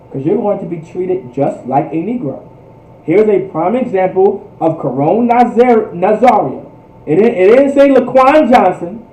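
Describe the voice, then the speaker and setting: A man with a high-pitched, dark-toned voice teaches religious history in a fervent, emphatic preaching style, leaning on repetitive, rhetorical phrasing. The recording is echoey, captured in a room with a distant microphone.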